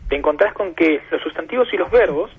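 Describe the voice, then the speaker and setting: Husky Argentine man on a phone line. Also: a little high, lively intonation, a little fast. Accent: Argentine Spanish. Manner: patient, professorial, builds points with examples. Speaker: guest expert. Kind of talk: explanatory radio interview. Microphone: telephone. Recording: muffled phone line on radio.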